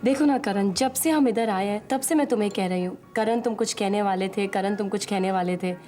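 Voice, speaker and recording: A woman playing a gentle, guarded young woman. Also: medium pitch, fairly quick, soft background music, natural voice. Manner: gentle, cautious. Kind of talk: TV serial drama acting.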